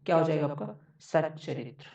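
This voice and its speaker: A man's voice: fairly high pitch, fairly quick, a little mellow. Male tutor, exam-prep lecture, repeats every point and checks in constantly; far from the mic, dull and muffled sound. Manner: repeats each point, checks with frequent "okay". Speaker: teacher. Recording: echoey, distant, dull mic.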